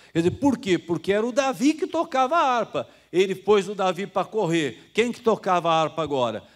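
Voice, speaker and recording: A man with a Brazilian Portuguese accent preaching a sermon as pastor, talking to the congregation like brothers and acting out the people he quotes. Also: sits high. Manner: conversational preaching, calls listeners "irmão", acts out quoted voices.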